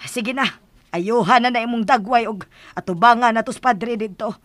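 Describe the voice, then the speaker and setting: A woman's voice: fairly high pitch, normal speed, dry recording, natural voice. An actress playing a flustered, teasing village woman in a radio drama comedy, with a Bisaya accent. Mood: reassuring.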